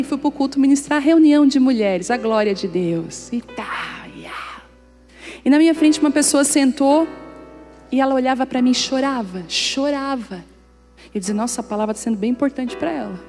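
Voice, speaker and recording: A woman's voice: high-pitched, darkish tone, long reverb tail. A middle-aged woman pastor, preaching and telling personal stories, acting out dialogue and joking with the congregation. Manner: storytelling, acts out dialogue, jokes with congregation.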